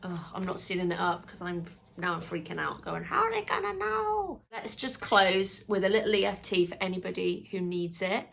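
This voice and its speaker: Woman with a gravelly, creaky voice. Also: fairly low pitch, fairly even intonation, a little hiss or hum. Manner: chatty and self-narrating, soft and slow when guiding. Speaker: vlogger and EFT practitioner. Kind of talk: casual vlog chat and guided EFT tapping.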